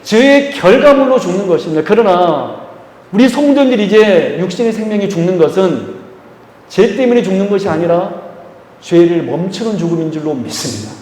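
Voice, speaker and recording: A man preaching a sermon as pastor, stressing phrases slowly and leading the congregation in call-and-response. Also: sits high, lively intonation, a little mellow. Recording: echoey church hall, faint ambience.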